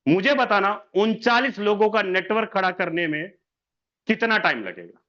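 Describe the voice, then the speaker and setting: Male presenter with a bright, forceful voice, drilling sums and quizzing listeners as sir on a muffled online call. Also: sits high, expressive, normal speed. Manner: repeats figures, fires rhetorical questions, keeps saying sir. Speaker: business presenter. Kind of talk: sales presentation over an online meeting.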